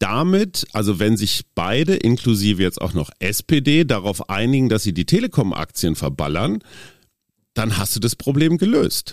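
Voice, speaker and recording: Heard with a dry, close sound and no echo, a man speaks at a medium pitch and a fairly slow pace. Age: 50s. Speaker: political journalist. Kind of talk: interview. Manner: animated.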